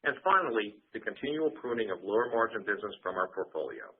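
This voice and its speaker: A very husky, rough-edged man speaks over a narrow phone line. He reads prepared financial remarks formally and steadily, like an executive presenting to investors. His voice sits on the low side. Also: animated. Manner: formal, measured business delivery. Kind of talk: scripted earnings call presentation, read aloud. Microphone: conference call line.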